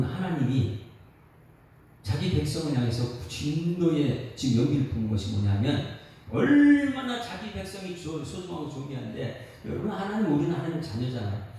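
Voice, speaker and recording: A man preaches with a fairly high voice, his words bouncing around a big, echoing church hall. He stands back from the microphone, and faint room ambience hangs behind him. He asks the congregation pointed questions and presses his points hard. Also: darkish tone, distant mic, slight background noise. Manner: emphatic, rhetorical questions to the congregation, sings a line. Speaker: pastor. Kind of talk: dawn service sermon. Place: church sanctuary.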